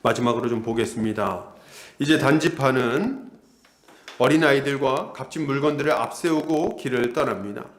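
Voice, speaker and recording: A middle-aged male pastor preaching an expository sermon, animated and acting out the characters. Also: mid-range voice, normal speed, reverberant. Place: church hall.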